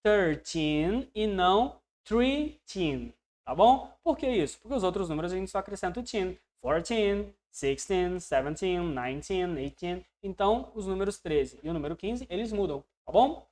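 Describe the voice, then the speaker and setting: A man with a Brazilian Portuguese accent teaching English, who explains patiently, checks in with the learner and drills words slowly. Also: sits high, animated, darkish tone. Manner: voices learners' questions to himself. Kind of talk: online language lesson.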